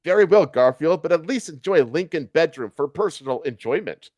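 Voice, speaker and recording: A man's voice: a little high, animated, fairly quick, darkish tone, no room sound, clean studio sound. A man playing grateful, pleading soldiers and statesmen in a storybook reading.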